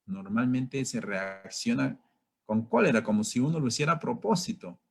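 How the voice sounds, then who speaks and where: A man's voice: medium pitch, animated, normal speed, vocal fry, slightly rough. A man teaching an informal self-help lesson in a conversational way, often checking in with his listeners. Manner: conversational, keeps asking "right?", acts out angry drivers. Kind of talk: informal talk on personal growth.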